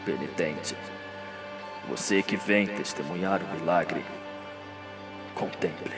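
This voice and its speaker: Man voicing a deep, slow, dying old confessor. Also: recorded from a distance, music in the background. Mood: solemn, grave. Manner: slow, drawn-out, grave delivery. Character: Radamés, dying old confessor, morbid, solemn and sorrowful. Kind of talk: audio drama monologue.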